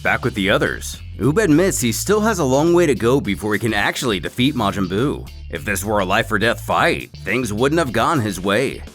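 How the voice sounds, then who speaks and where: A man giving a scripted story recap as a narrator, in a dramatic, animated storytelling manner. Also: lowish voice, normal speed, few pauses, faint music behind. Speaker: narrator of a fan comic recap series.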